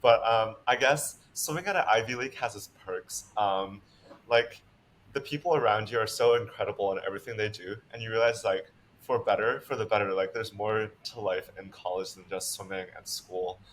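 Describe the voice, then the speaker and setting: A young man in his twenties from Hong Kong, a guest talking about college swimming in a relaxed, thoughtful way. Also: lowish voice, moderate pace, slight background noise, rough recording. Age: 20s. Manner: relaxed, thoughtful, uses "like" often. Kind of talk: casual interview.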